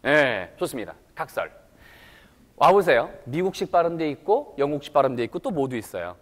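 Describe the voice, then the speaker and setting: A man's voice: on the high side, very animated, a little fast. A man giving a playful English lesson to a live audience, coaxing them to repeat after him. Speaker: English lecturer. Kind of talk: lively public lecture to an audience. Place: lecture hall. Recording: reverberant hall.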